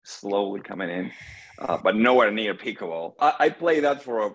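A man's voice: lowish voice, rough recording. Man telling stories on a video call. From Argentina. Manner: relaxed storytelling, many pauses and "um", gestures with hands. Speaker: guest, senior pro pickleball player. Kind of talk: casual video call interview. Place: small room indoors at home. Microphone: laptop webcam on video call.

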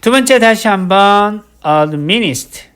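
Male vocab instructor, lively up-and-down delivery, drills each word over and over. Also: high voice, smooth. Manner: drills words by slow repetition, writes as he explains. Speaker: English vocabulary teacher. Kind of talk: recorded vocabulary lecture.

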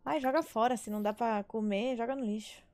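A young woman with a fairly high, darkish voice talks briskly while streaming a life-sim game, chatting casually with viewers, telling stories, and swearing now and then. She's at a small bedroom streaming setup indoors, speaking into a headset mic on a webcam stream.

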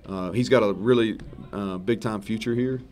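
A lowish male voice at a moderate pace belongs to a head football coach in his thirties holding a post-game press conference. Seated before a sponsor backdrop with several microphones on the table, he answers in a relaxed, frank, meandering way and revises what he says as he goes.

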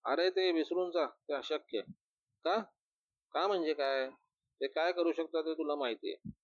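A man's voice: a little high, normal speed, no echo, lightly acted. Brief: male reader doing a cautious jailed bodyguard in an audio story, anxious and questioning, dry and slightly muffled recording. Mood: worried.

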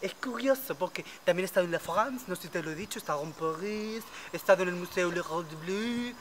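A woman's voice: on the low side, lively intonation, fast, slight background noise, close to an everyday voice. Estela, a woman playing a spoiled chatterbox. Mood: bubbly boastful. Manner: boastful nonstop chatter, fake foreign accent bits. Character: vain chatty rich young woman, spoiled daddy's girl. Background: background music.

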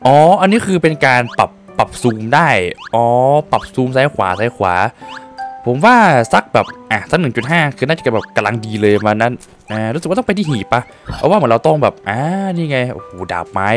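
A gaming streamer with a mid-range voice plays a video game, reading out and translating the dialogue a little fast in a casual, joking let's-play style. He's lively, laughs often and swears casually, with faint music in the background.

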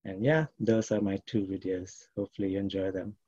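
A middle-aged man from Malaysia, a dancer and choreographer, introducing his work haltingly with many fillers over a video call. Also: low voice, fairly even intonation, dark tone, husky. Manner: hesitant, many restarts and fillers. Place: plain room at home. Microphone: laptop webcam on video call. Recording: dull lo-fi video call audio.

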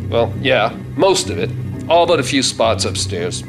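A man's voice: mid-range voice, big pitch swings, a little slow. A middle-aged man playing a tough, sarcastic, take-charge survivor with a blunt, folksy manner in a radio play. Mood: sarcastic, stubborn. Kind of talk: stage radio-play acting. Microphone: stand microphone on a stage. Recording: loud music under stage performance.

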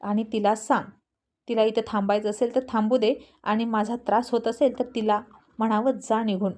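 A woman's voice: on the high side, little pitch movement, moderate pace, darkish tone, close to an everyday voice. A woman voicing a curt, stern male police officer in a spoken story, with terse, clipped lines.

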